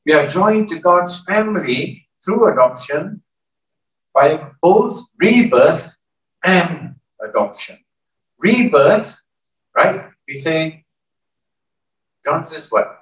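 Slow older man preaching in echoey hall. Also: fairly high pitch, fairly bright tone. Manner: teaching, asks the congregation questions. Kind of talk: sermon. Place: large church hall with stage. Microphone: from far camera, at lectern. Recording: echoey hall, distant mic.

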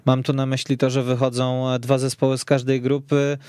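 A man's voice: medium pitch, completely flat delivery, fairly quick, darkish tone, smooth, dry recording. A man hosting a football discussion in a radio studio. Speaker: podcast host.

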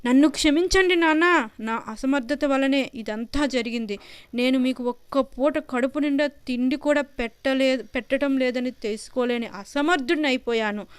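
An enraged grown son shouts and denounces his wife, his voice smooth and fairly high, as a woman voices him in a storybook. It is recorded close and dry. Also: normal speed, no room sound, close to an everyday voice. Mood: remorseful. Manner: furious shouting, then remorseful. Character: angry, grief-stricken grown son.

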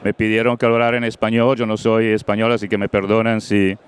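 A middle-aged man from Colombia presenting on a conference stage into a handheld mic, halting often with fillers and slipping into English words. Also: fairly low pitch, completely flat delivery, clear, resonant tone. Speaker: panel moderator. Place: large event stage.

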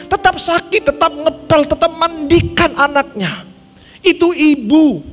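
A male pastor, preaching a lively, joking sermon that acts out the people he talks about. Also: high voice. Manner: animated, joking, mimics congregants. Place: large church hall. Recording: long hall reverb with faint music.

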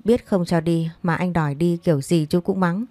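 A woman reading a sharp-tongued young girlfriend. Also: fairly low pitch, steady tone, no room sound, natural voice. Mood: sassy. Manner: scolding, quick retorts.

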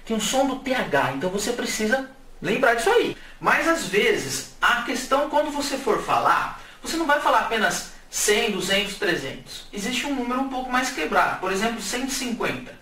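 Lively Brazilian English teacher, man. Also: extremely high pitch, normal speed. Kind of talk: casual video lesson. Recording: echoey room, mic at a distance, faint hiss.

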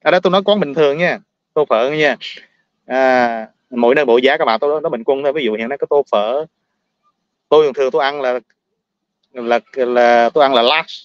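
A man's voice: medium pitch, brisk, pauses often, dry recording, dull audio. A man from Vietnam with a Southern Vietnamese accent, talking casually and bluntly to his viewers, ranting, repeating words and laughing often.

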